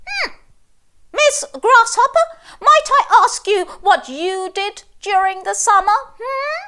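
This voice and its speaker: A woman's put-on character voice, squeaky and extremely high in pitch, at a fairly slow pace. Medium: read story. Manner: measured, knowing.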